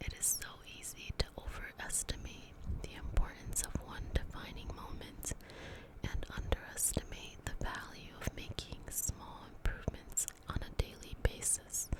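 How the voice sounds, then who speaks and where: A woman whispers in a calm tone at a moderate pace, with noticeable background noise behind her. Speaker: ASMR artist. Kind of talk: sleep book reading. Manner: whispered; soft-spoken, calm.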